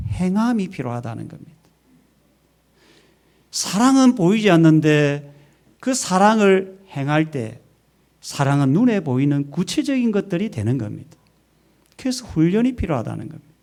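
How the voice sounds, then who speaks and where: A man's voice: on the high side, a little mellow. A male pastor preaching a Sunday sermon in a church, emphatic, asking rhetorical questions and leading the congregation to repeat after him. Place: church sanctuary.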